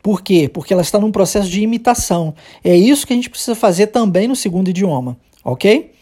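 Mellow, husky Brazilian teacher drilling phrases. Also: mid-range voice, expressive. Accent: Brazilian Portuguese. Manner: explains patiently, then models phrases slowly and repeats them as drills. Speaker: English teacher. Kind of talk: podcast language lesson.

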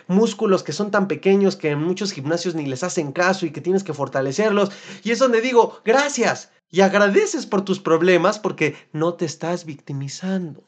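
Man, Mexican accent, young adult, high voice, animated motivational talk. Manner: animated, mimics whiny complaining voices. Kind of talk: motivational self-help talk.

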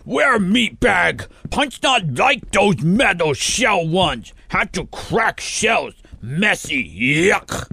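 A man playing a childlike, grumpy monster brute in an audio drama, speaking in short, blunt, broken phrases with a gravelly voice. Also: high voice, very animated, very slow, hardly any pauses, sharp tone, full character voice. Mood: dim, hungry. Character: childlike hulking monster brute, grumpy, simple-minded, fearful.

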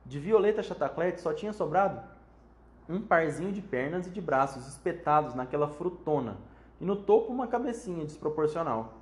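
A man reads a children's book aloud with expressive, animated narration. His voice sits a little high. The room gives it a roomy echo. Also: normal speed. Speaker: storyteller.

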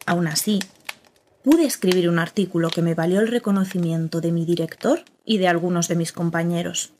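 Woman doing a journalist narrating in first person, low voice, reflective and a bit bitter, radio drama. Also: steady tone, brisk, darkish tone, slight background noise, lightly acted.

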